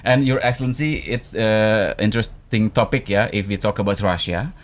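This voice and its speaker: Eager Indonesian radio host, low voice. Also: male voice, normal speed. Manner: enthusiastic, frequent mm-hmm backchannels. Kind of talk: radio interview hosting. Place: radio studio.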